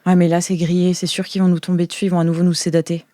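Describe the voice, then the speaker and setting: A woman's voice: on the low side, level tone, rapid-fire, warm tone, no room sound, clean studio sound. A woman running an improvised role-play as game master, colloquial, hesitant and prone to exclaiming.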